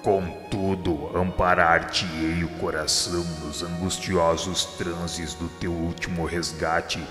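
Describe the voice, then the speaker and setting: A man voicing Jesus as a grave divine figure in a radio drama, speaking with a Brazilian Portuguese accent in measured, solemn pronouncements. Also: deep voice, level tone. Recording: heavy reverb with soft music behind.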